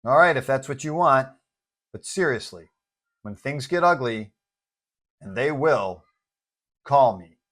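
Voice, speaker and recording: A man's voice: medium pitch, animated, unhurried, long pauses, a bit bright. A man voicing a confident, well-meaning superhero who talks in a breezy, colloquial way in an audio story. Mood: confident, wry.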